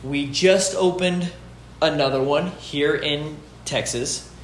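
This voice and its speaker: A man with a fairly high-pitched voice speaks slowly, offering earnest, casual motivational advice to his peers and emphatically repeating his main points. He owns a gym and hosts a fitness business show, recording from his home gym outdoors under a roof during a rainstorm. The room echoes, and rain and storm noise drum on the roof.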